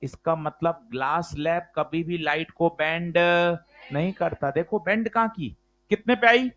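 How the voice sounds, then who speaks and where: A man teaching physics in a classroom lecture, slow and emphatic, quizzing his students with questions. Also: on the high side, fairly bright tone.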